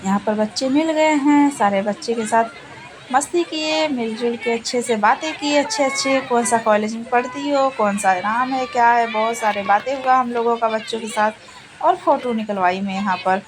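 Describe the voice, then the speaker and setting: A woman with a fairly high voice narrates her family outing in a loose, chatty vlog voice-over. She rambles and repeats phrases as she goes. Faint ambient noise sits under her voice. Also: normal speed, a crowd in the background. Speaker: vlogger narrating a family trip. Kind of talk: casual travel vlog voice-over.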